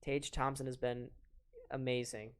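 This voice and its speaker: An eighteen-year-old man with a soft voice, casually calling live hockey play-by-play on a stream and chatting with viewers between plays. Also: medium pitch, little pitch movement, measured pace, clear, resonant tone. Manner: chatty, reads chat aloud and talks to viewers between plays. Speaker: play-by-play commentator and stream host.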